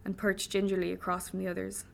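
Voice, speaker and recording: A woman's voice: mid-range voice, monotone, fast, vocal fry. A woman narrating a first-person audiobook in a wry, vivid manner. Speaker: audiobook reader.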